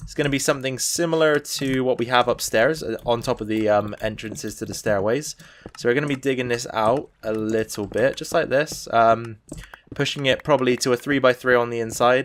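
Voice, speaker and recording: With an ordinary speaking voice, a man talks at a fairly quick pace, his medium pitch following a fairly even intonation. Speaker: gaming video creator. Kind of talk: gameplay commentary.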